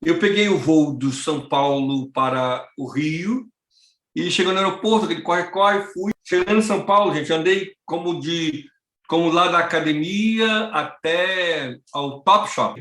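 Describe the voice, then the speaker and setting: Bright-voiced pastor telling a story. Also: male voice, a little high, moderate pace. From Nova Iguaçu, Rio de Janeiro. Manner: animated, acts out dialogue. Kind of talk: storytelling sermon. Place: church. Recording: roomy echo.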